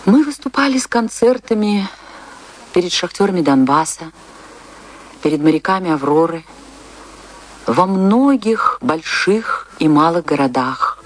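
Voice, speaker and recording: Slow, swooping, passionate dancer. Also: female voice, on the low side. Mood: nostalgic. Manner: expressive, dramatic, deliberate pauses. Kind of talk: theatrical Russian radio drama, monologue and dialogue.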